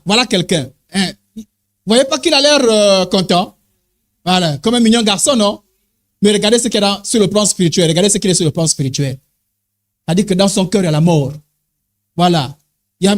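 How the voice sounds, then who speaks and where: A man preaching an animated sermon as an apostle, exclaiming and calling "amen, amen" to the congregation, swinging his pitch up and down for emphasis. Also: moderate pace, pauses often. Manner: swings sharply between high and low pitch for emphasis.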